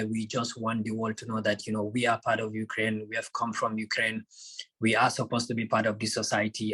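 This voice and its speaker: A man's voice: fairly low pitch, a bit bright, breathy edge, rough recording. A man giving earnest personal testimony as a participant on a video call. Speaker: student speaking as audience participant.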